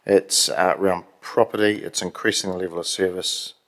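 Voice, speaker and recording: A man with a New Zealand accent, the mayor, chairing a council meeting in a brisk procedural way with dry asides. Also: sits low, steady tone, a bit bright. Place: council chamber.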